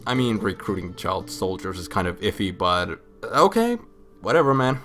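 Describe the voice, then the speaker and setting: A man's voice: deep voice, sing-song, moderate pace, fairly bright tone, soft background music. A man sounding drunk, telling a story casually with crude, sarcastic, profane and rambling asides. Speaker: host of a comic video game storyline recap.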